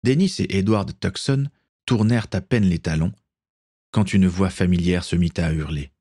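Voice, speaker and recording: Deep-voiced male audiobook narrator. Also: normal speed, no echo, studio quality. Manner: expressive, wide-ranging reading. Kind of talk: scripted narration.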